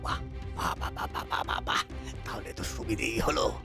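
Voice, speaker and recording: A man voicing a crafty, scornful kidnapper in a comic cartoon, with a creaky villain's delivery. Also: normal speed, over music, close to an everyday voice. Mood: scheming, gloating. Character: menacing male kidnapper and extortionist, crafty, scornful.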